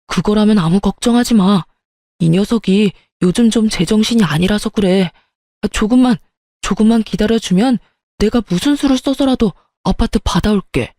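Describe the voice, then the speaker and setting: A woman voices a spineless young man in a narrated story, pleading in a whiny, wheedling tone. Her voice stays mellow and dry. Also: medium pitch, moderate pace, dry recording, close to an everyday voice.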